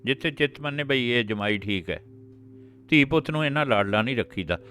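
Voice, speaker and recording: A man's voice: medium pitch, animated, fairly quick, a bit bright, soft background music, voice pushed up, lightly acted. A man doing an earnest old village grandfather. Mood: earnest deliberating. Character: older grandfather, anxious village patriarch.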